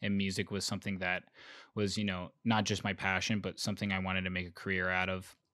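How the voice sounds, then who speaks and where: A man with an American accent, fairly low in pitch and fairly quick in pace, in a dry sound with no echo and a quiet background. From Texas. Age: 20s. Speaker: orchestral trombonist. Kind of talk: casual interview chat. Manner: relaxed, filler-heavy. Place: home room. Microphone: video call.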